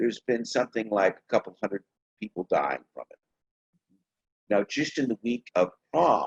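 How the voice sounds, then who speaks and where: Long, frequent pauses break up a man's speech, which has medium pitch, lively intonation and vocal fry, captured with a dry, close sound and no echo. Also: moderate pace, big swings in loudness. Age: 60s. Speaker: engineer, meeting participant. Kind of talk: group discussion.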